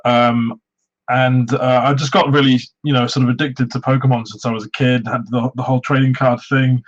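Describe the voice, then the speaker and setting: Soft-spoken raised man, dull lo-fi audio. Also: medium pitch. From Wales. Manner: soft-spoken, modest, hesitant with many ums. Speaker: guest, Pokemon YouTuber. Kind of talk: casual interview chat. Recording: dull lo-fi sound.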